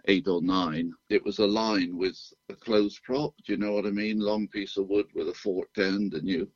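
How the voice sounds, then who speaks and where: Older british guy, retired doctor, low voice, dry wry humor, kinda muffled sound. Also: steady tone, no room sound. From United Kingdom. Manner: unhurried, self-deprecating, with frequent restarts and dry humor. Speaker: guest, retired physician and writer. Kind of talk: relaxed radio interview chat.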